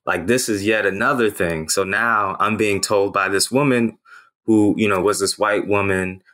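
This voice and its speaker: Deep-voiced man speaking Haitian Creole natively. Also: fairly even intonation, moderate pace, fairly bright tone. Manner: earnest and reflective, with frequent "you know". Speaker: author and interview guest. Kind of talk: personal storytelling in an interview.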